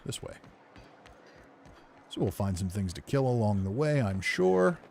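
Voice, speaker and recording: A man's voice: lowish voice, sing-song, measured pace, vocal fry, darkish tone, a little hiss or hum. A man giving easygoing, casual game commentary, thinking aloud as he plays. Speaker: gamer narrating playthrough.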